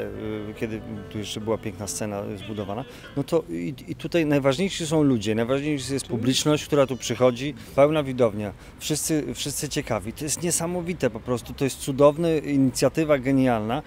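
A man's voice: medium pitch, fairly quick, few pauses, darkish tone, soft background music. A middle-aged man, a stage performer, chatting enthusiastically in a park interview with stumbling restarts. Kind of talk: casual interview. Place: outdoor park. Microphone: handheld mic. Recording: outdoor ambience.

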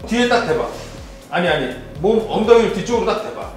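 A man's voice: high-pitched, expressive, a little fast, soft background music. A man in his forties, a gym trainer and host, coaching with short encouraging cues and frequent laughs. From Korea. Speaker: gym owner and trainer hosting. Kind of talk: casual coaching chat. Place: large indoor gym. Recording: echoey gym with people around.

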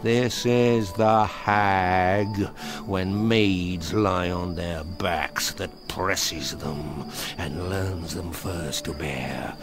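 A man's voice: low voice, drawn-out words, over music. An actor with a British accent playing a witty, mercurial young nobleman in a Shakespearean radio drama, theatrical and teasing, swinging between gleeful and brooding. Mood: dark, brooding. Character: mercurial, witty young nobleman spinning fantastical bawdy tales.

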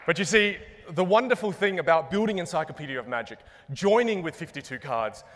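A young man giving a comedic keynote on a large conference stage, animated and self-mocking, landing punchline after punchline. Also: fairly high pitch, brisk. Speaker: keynote speaker and magician. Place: large conference stage before a live audience. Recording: long reverb of a big hall.

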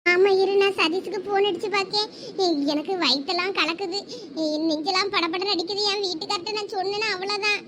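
Woman acting mother, anxious, rushed, very high voice, noisy outdoor recording. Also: steady tone. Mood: worried. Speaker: skit actor playing several village characters. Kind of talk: village comedy skit acting.

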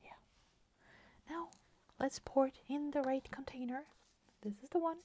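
A Swedish woman in her forties with a Swedish accent, chatting softly at her craft table with many fillers and half-whispered asides. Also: high-pitched, steady tone, unhurried, a little hiss or hum. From Sweden. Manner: soft-spoken, slips into whispers, many fillers. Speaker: crafting channel host. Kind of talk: casual chat while crafting. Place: home craft table, indoors.

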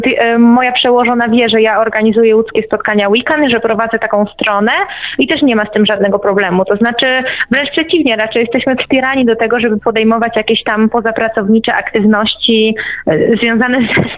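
A woman explaining things as a guest in a radio interview, conversational, pausing and checking with tag questions. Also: a little high. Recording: narrow, tinny phone-like line.

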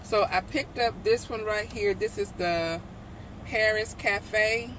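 A middle-aged woman talks through her shopping haul on a phone held at arm's length, rambling and correcting herself as she goes. Her voice sits at an ordinary middle pitch. Steady car and street noise runs behind her in the noisy phone recording. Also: takes it slowly. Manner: chatty, rambling, with frequent ums and self-corrections. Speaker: vlogger. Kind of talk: casual shopping haul vlog. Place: store then parked car with air conditioner on. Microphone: handheld phone at arm's length.

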